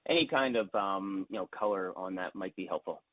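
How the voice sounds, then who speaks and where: A man's voice: low voice, a little fast, no echo. A man, a financial analyst, putting tentative, hedged questions to executives on a conference call. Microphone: phone. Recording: tinny narrow-band phone line.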